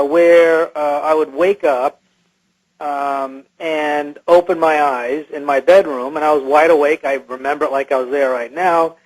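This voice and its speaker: A male interview guest whose voice has been electronically altered to disguise him, sitting on the high side for a man. He recounts his own experiences in a halting, hesitant way, feeling for his words as he goes. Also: low-quality recording.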